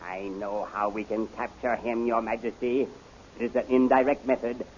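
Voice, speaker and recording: A man's voice: mid-range voice, flat delivery, normal speed, a little mellow, natural voice. Blustering general played by a man, muffled old radio. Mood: scheming. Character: hot-headed, boastful male general serving a queen. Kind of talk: 1930s radio acting. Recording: muffled, hissy 1930s radio recording.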